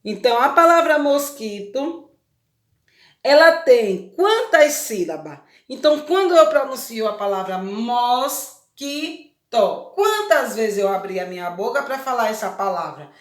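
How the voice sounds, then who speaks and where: A woman's voice: on the high side, big pitch swings, normal speed. A Brazilian woman teaching a recorded lesson to young children. She explains step by step and keeps checking that they follow. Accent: Brazilian Portuguese. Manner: patient, explains step by step with many check questions. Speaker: primary school teacher. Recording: echoey room.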